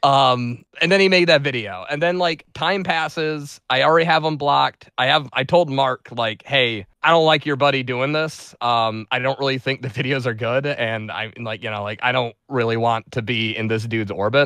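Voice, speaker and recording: A man's ordinary speaking voice at medium pitch, moderate in pace, with ordinary pitch variation and hardly any pauses. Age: 20s. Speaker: YouTuber. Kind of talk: casual conversation. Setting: call.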